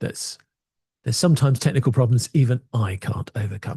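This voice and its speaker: A man's medium-pitched voice, dark and mellow in tone and somewhat breathy, moves with lively intonation in a dry, close sound with no echo. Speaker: AV technology video host. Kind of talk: tutorial. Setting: small home studio.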